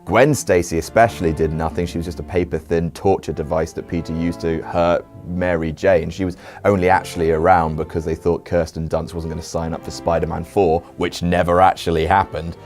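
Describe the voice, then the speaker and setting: A young man giving scripted film commentary, excitable and sarcastic, swearing casually. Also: low voice, fairly quick, soft background music.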